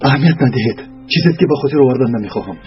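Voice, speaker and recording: An actor dubbing a young son-in-law with a Tajik accent, speaking in a guarded, evasive manner. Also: male voice, medium pitch, animated, muffled recording, close to an everyday voice.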